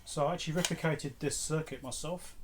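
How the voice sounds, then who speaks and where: A man's voice: on the high side, steady tone, brisk. Musing middle-aged man, noisy background. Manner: musing, talking to himself. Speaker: host of an electronics repair channel. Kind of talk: casual off-the-cuff vlog commentary while sorting through items.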